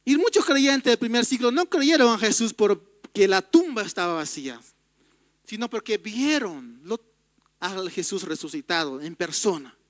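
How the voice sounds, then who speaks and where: High-voiced man preaching a sermon. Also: normal speed, no room sound, clean studio sound. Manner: expressive preaching, reads verses aloud and retells them. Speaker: pastor. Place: church.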